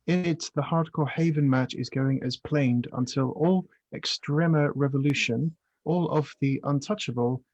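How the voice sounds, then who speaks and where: A man's voice: mid-range voice, darkish tone, rough recording. A man reading scripted scene-setting narration as the narrator of a staged reading.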